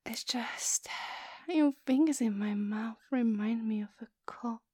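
A young woman in first-person audio roleplay, with a soft, breathy, whispery, pleading way of talking. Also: a little high, measured pace, dry recording, studio quality.

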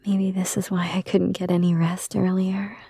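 A woman whispers in a soft, soothing ASMR roleplay, close to the microphone. Her voice is low, breathy and mellow, and she takes her time over every word. The sound is dry and intimate. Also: level tone, normal speed, no room sound.

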